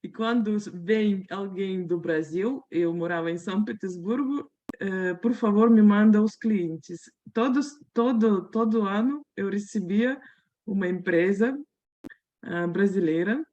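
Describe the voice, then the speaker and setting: A woman's voice: medium pitch, unhurried, mellow, dull audio. A woman in her thirties from the Russian Far East, speaking with a Russian accent and a learner's grammar slips, presenting in a friendly way at a webinar. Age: 30s. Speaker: interpreter and company owner. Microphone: video call.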